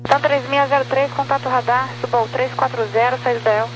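Female air traffic controller, Brazilian accent, quick procedural phrasing, humming radio transmission. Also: high voice, fairly even intonation. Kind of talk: radio instructions in set phraseology. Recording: noisy, humming radio channel.

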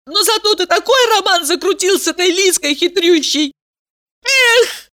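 Woman reading does a tall young blonde, impulsive and tearful, pitched way up, loud, every phrase swooping. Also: lively intonation, moderate pace, exaggerated voice. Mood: frantic. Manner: breathless high-pitched pleading cries.

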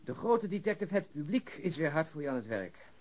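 An actor playing a busy police officer in a radio drama, wry and businesslike. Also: male voice, a little high, sing-song, brisk, a little mellow. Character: busy male police officer fielding tip-off calls. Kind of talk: Dutch radio drama dialogue.

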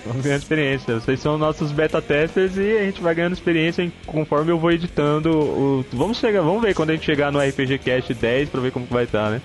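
A man's voice: a little high, fast talker, few pauses. Brazilian portuguese man, laid-back podcast co-host, slangy, chuckles often, faint guitar in the background. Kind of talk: casual chat. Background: faint guitar music.

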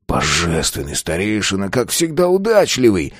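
A man's voice: on the high side, wildly swooping pitch, measured pace, a little mellow, no room sound, voice pushed up, heavily acted. A man voicing a sardonic white-haired man who mocks others drily. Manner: dry, mocking.

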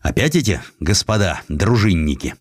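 A man voicing a proud, defiant Russian general in an audiobook, orating with patriotic fervour and deliberate, weighty phrasing. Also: low voice, big pitch swings, no echo. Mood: scornful, defiant.

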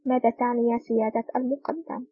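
A woman's voice: a little high, steady tone, fast, dry recording, phone-quality sound, lightly acted. A woman reading the lines of a proud, stubborn young woman lieutenant in an audiobook, defiant in tone. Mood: curious.

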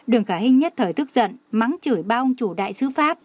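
A woman's voice: fairly high pitch, lively intonation, a little fast, dry recording. A woman voicing an anxious young female assistant reporting urgent trouble. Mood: urgent worry. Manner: urgent, worried.

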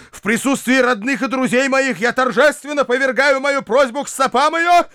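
A man's voice: fairly high pitch, no room sound, studio quality, voice pushed up. A man voicing an agitated middle-aged nobleman who pleads earnestly with his mother. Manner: earnest, urgent declaiming.

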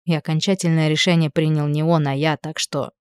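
A woman voicing a remorseful young man who speaks in a low, subdued way in an audiobook. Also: level tone, brisk, a little mellow, clean tone, no echo, clean studio sound, close to an everyday voice. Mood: regretful.

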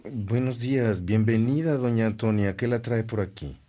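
A man acting in a radio drama as a kind, devout Catholic priest, speaking gently and earnestly. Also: on the low side, normal speed, close to an everyday voice. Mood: courteous, grateful.

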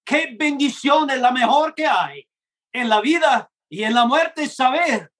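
A man preaching a gospel message in Spanish, which is not his first language, in a slow and earnest way, acting out short dialogues. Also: very high voice, expressive, fairly bright tone. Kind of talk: gospel sermon.

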